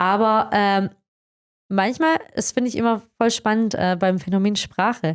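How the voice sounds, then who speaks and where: Fairly high-pitched female speech, very cleanly recorded over total silence. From German-speaking region, Croatian family. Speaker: interviewer, sales manager. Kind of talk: interview.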